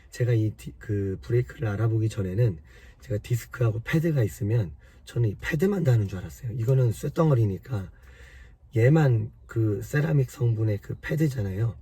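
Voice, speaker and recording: A man with a hoarse voice from a cold, patiently explaining car repair step by step to his viewers in a casual way. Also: lowish voice, normal speed, warm tone. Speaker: car maintenance vlogger.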